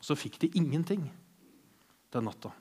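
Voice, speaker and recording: A man's voice: fairly high pitch, expressive, warm tone, slightly rough. A man preaching a sermon, retelling the story earnestly and voicing the people in it as he goes.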